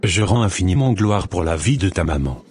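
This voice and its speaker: A man's voice: deep voice, lively intonation, fairly quick, darkish tone. A man voicing a solemn, devout Christian in a cartoon, speaking in a formal, pious way. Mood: reverent. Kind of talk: scripted amateur Christian cartoon dialogue. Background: faint music.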